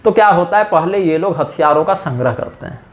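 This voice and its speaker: A man's voice: fairly high pitch, expressive, brisk. A man giving an impassioned discourse as a religious teacher, pressing his points with rhetorical questions. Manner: emphatic, builds points through rhetorical questions. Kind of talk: impassioned monologue. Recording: roomy, dull lo-fi sound.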